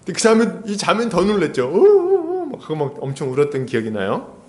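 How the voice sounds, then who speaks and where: Lively, high-pitched male preacher. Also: fast talker. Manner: storytelling with lively, animated delivery and rhetorical questions. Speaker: pastor. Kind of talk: expository sermon. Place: church.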